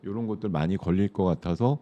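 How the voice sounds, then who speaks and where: Low, dark-voiced man with a sore throat. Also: quick pace, lo-fi sound. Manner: explanatory, loose and conversational, with many fillers. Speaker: stock market commentator. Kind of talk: live market talk show chat.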